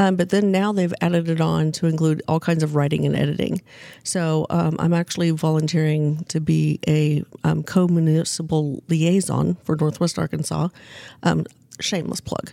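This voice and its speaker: A woman speaks with a very deep, low pitch and a dark, mellow tone. Her intonation is monotone and flat. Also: moderate pace, very even loudness. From Kansas (Wichita). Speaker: writing coach and consultant. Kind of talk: interview. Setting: studio.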